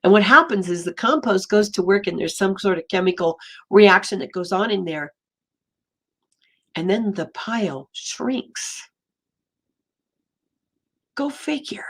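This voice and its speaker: A woman minister giving a gentle, storytelling sermon in a slightly hoarse voice, slowing and softening for emphasis. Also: mid-range voice, lively intonation. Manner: gentle storytelling, slows and drops to near whisper for emphasis. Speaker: interim minister. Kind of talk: sermon talk.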